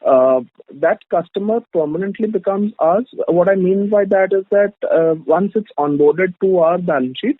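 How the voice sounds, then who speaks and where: A fairly high male voice, heard over a dry, narrow phone line. He is an analyst putting questions politely, in halting phrases. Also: dry recording. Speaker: caller, financial analyst. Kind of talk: asking questions on an earnings call.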